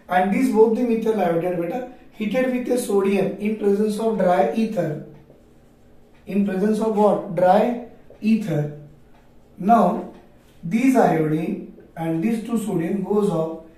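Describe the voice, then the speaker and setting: A man's voice: high-pitched, mellow. A man with a South Asian accent giving a classroom chemistry lecture, asking questions and answering them himself, repeating phrases for emphasis. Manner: repeats phrases for emphasis, addresses students affectionately. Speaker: chemistry teacher. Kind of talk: classroom lecture for a video lesson. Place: echoey room, recorded away from the microphone. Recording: very echoey room, distant microphone.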